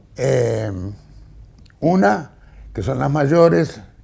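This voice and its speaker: Very slow speech with very wide pitch swings and audible room echo. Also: man. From Argentina, Entre Ríos (Gualeguay). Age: 80s+. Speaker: writer. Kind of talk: interview. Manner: hesitant, with fillers.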